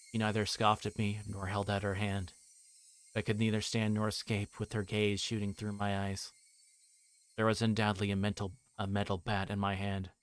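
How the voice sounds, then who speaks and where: A man livestreaming a visual novel, reading it aloud and chatting to viewers in a hesitant, halting way. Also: on the low side, slight background noise.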